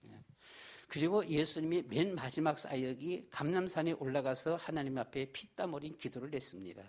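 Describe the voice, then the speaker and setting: A man's voice: on the high side, a little fast, a little mellow. A middle-aged man, a pastor, preaching a Sunday sermon in a church in a folksy, repetitive way. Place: church sanctuary.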